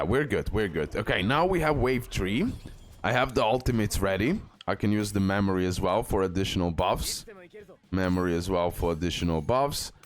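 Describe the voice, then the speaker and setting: Low-voiced man guiding through a game. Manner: instructional, repeats himself, frequent check-in tags. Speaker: gaming YouTuber host. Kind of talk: casual game guide commentary over gameplay. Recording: music behind the voice. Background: music under gameplay commentary.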